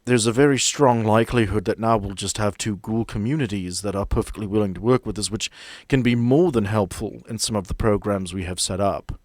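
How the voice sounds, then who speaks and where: A man playing a stern, measured female agency boss who speaks formally and deliberately in a tabletop game. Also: lowish voice, dry recording, natural voice. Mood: stern, measured approval. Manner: deliberate, emphatic, formal phrasing.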